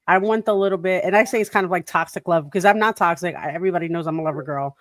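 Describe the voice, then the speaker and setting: A woman co-hosting a talk show in casual, animated chat, laughing and putting on playful voices as she talks. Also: lowish voice, racing, no echo, clean studio sound. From Puerto Rican heritage. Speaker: podcast co-host.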